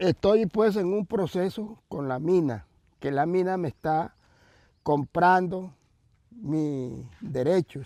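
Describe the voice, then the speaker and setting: Very slowly and with long, frequent pauses, a man speaks at a high pitch with lively intonation, the sound dry and close with no echo. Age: 80s+. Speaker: displaced local resident. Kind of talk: documentary interview.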